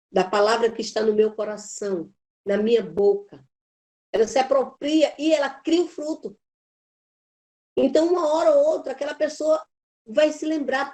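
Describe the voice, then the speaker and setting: A woman's voice: fairly high pitch, a little mellow. A woman teaching a Bible institute class, telling a personal story in an emphatic, preacherly way with lots of repetition.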